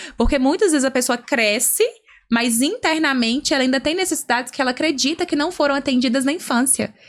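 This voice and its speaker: A woman speaks at a high pitch and a fairly quick pace, with ordinary pitch variation. The recording is very clean, with a silent background. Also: very even loudness. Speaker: human development and sales specialist. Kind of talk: podcast interview. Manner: fast.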